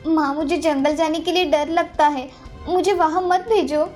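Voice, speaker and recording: A meek, tearful young cartoon girl speaks in a high, soft voice, as a woman acts her out. She sounds gentle and pleading, eager to obey. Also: steady tone, normal speed, faint music behind, close to an everyday voice. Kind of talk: cartoon voice acting.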